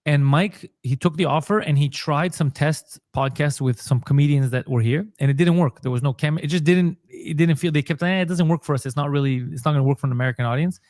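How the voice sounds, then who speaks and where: A man's voice: fairly high pitch, fast, hardly any pauses, darkish tone, dry recording, studio quality. A comedian and podcaster from Montreal, a man, telling his story in a casual interview and acting out the dialogue he quotes. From Montreal, Canada.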